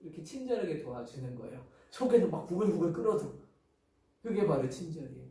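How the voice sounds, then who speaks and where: Pastor giving a children's sermon, animated storyteller, high voice, heard from a distance in a very echoey room. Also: male voice, fast talker.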